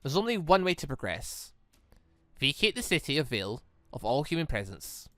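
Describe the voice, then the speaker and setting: Guy reading as a sly evil lady in a visual novel, calm n teasing, kinda menacing, dry close sound. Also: fairly high pitch, normal speed, dry recording. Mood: calm menace. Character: sly, menacing woman villain taunting by phone. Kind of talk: visual novel read-aloud.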